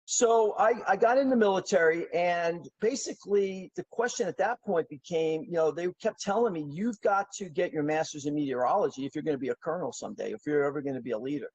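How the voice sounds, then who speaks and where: A man's voice: on the high side, fast talker, few pauses, darkish tone, no echo, highs cut off. A middle-aged man from New York City, a podcast guest who tells long stories in a rambling, talkative way, full of fillers and restarts. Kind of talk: casual interview storytelling.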